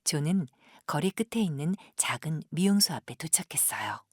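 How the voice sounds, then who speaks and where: A woman professional narrator reading a scripted audio drama in a measured, gentle storytelling manner. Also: deep voice, big pitch swings, noisy background.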